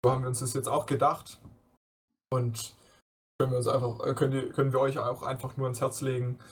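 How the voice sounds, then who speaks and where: A man speaks in a monotone, flat intonation at a fairly quick pace. He is somewhat breathy, with long, frequent pauses. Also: medium pitch for a man. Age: young. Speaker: bodybuilding podcast co-host. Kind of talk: casual chat.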